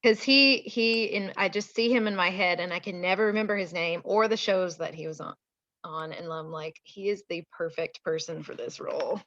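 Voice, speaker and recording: Dry, slightly dull audio carries a woman's lowish voice. She speaks casually and haltingly, circling as she searches for the right words. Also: fairly bright tone, dry recording. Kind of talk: casual chat.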